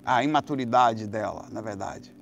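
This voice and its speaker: A man with a Brazilian Portuguese accent telling a long story in a casual, rambling monologue, swearing freely and swinging between hushed and loud. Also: on the low side, moderate pace, gravelly, dull audio, a little hiss or hum.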